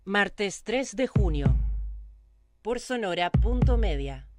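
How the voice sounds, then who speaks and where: Very unhurried woman announcer over music. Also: medium pitch, lively intonation. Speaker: trailer announcer. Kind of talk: scripted promotional announcement.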